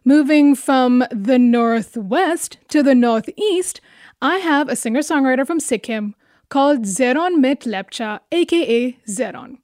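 Woman radio host, high bright voice, dry close studio sound, lively introducing tone. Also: measured pace, no room sound. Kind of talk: scripted radio presenting.

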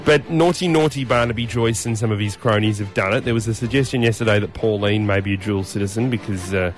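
A man hosting a breakfast radio show, bantering in a deadpan, teasing way. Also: lowish voice, fast talker, faint music behind.

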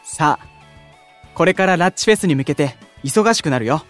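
A man's voice: fairly high pitch, animated, moderate pace, soft background music, lightly acted. A man voicing an earnest young idol leader. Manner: earnest, gentle, sincere. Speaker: unit leader, station-worker idol. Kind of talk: anime-style voice drama acting.

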